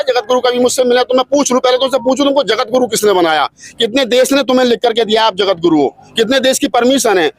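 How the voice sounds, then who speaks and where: A man's voice: very high-pitched, no room sound, clean studio sound. A man being interviewed, arguing his political views in a fiery, rhetorical and mocking way. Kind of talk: impassioned political argument.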